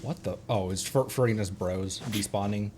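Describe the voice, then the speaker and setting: A man's voice: lowish voice, normal speed, a little mellow, a little hiss or hum. A man livestreaming a video game, chatting casually and playfully to himself as he plays. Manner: playful, giggly, self-talking. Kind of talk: casual game stream chat. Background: game music.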